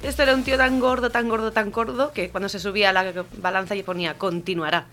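A woman co-hosting a radio comedy show, tossing in quick quips and jokes. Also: mid-range voice, steady tone, over music. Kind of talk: joke telling on radio.

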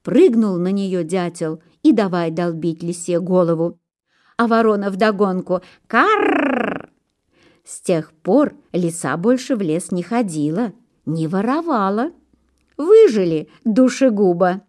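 A woman reads folk tales aloud in an unhurried, deliberate rhythm. Her voice is mellow and warm, never sharp. Her delivery is measured and expressive, steady from line to line. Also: mid-range voice. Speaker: narrator. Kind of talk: storybook reading.

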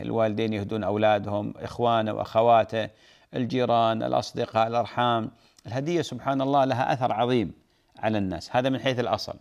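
A man's voice: mid-range voice, creaky, a little mellow. A man, a sheikh answering listeners' religious questions and repeating key points for emphasis.

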